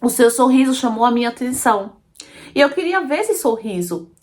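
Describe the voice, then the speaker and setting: A woman quoting a flattering older male manager. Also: fairly high pitch, a little fast, lightly acted. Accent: Brazilian Portuguese. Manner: flattering, coaxing. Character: older male store manager, smooth-talking.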